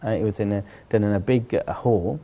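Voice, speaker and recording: The lo-fi clip captures a fairly quick, lowish male voice. He is a middle-aged celebrity chef from Sylhet, Bangladesh, who, as a guest in an interview, earnestly tells his own story with emphatic, repetitive wording.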